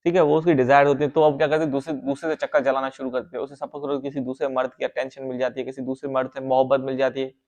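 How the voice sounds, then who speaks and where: A man's voice: medium pitch, level tone, racing, hardly any pauses, a little mellow. A man giving life advice in a casual, rambling monologue, mixing in English phrases and often turning heated. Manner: rambling, repeats "theek hai" often, mixes English phrases; heated, rises sharply when acting out bosses and husbands. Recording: dull lo-fi sound.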